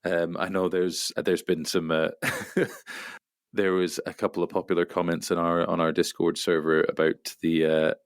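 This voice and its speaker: A man, a voice actor guest on a podcast, speaking hesitantly with many restarts and soft chuckles. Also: low voice, flat delivery, normal speed, clean tone, dry recording, clean studio sound. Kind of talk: casual interview chat.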